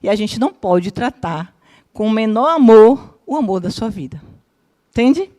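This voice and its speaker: Animated woman lecturer telling family stories. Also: a little high, normal speed. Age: around 50. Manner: lively, keeps checking in with listeners, acts out quoted family members. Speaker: spiritist course lecturer and psychologist. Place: lecture room with a live audience.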